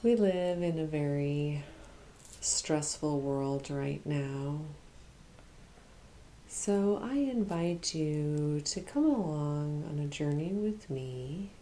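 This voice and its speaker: Very slow, hushed, low-voiced woman. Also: a little hiss or hum. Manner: hushed, soothing, slow with long pauses, at times whispering. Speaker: Reiki practitioner and meditation guide. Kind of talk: ASMR guided meditation.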